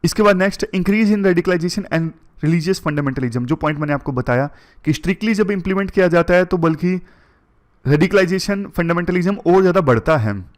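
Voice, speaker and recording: A man's voice: sits high, lively intonation, a little fast. A man teaching current affairs for an exam, going through points one by one and mixing in English terms. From India. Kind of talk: exam-prep lecture.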